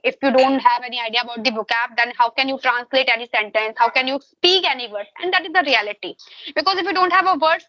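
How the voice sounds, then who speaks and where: A woman's voice: high-pitched, sharp tone, dry recording, lo-fi sound. A woman from Uttar Pradesh with an Indian accent, whose native language is Hindi, speaking English hesitantly with restarts in a casual practice conversation. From Kanpur, Uttar Pradesh, India. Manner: hesitant, halting non-native phrasing with restarts. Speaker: English trainer being interviewed.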